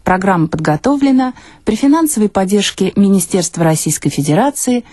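Woman announcer, formal scripted delivery, soft dark timbre, dry studio sound. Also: mid-range voice, lively intonation, a little fast, no room sound. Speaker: announcer reading programme credits.

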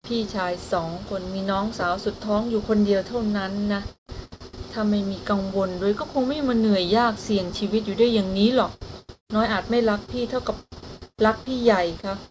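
A woman's voice: medium pitch, steady tone, brisk, a little mellow, a little hiss or hum, lightly acted, poor audio. A woman reading the part of a protective older brother who speaks firmly and plainly.

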